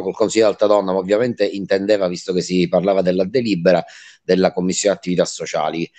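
Lowish man, hesitant and formal. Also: a little mellow. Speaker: district councillor. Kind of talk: formal explanation in a meeting. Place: online video call.

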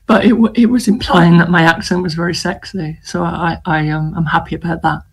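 A woman from the English Midlands with a Black Country accent, chatting as a guest author in a casual interview, self-deprecating and quick to laugh. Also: lowish voice, steady tone, slightly rough.

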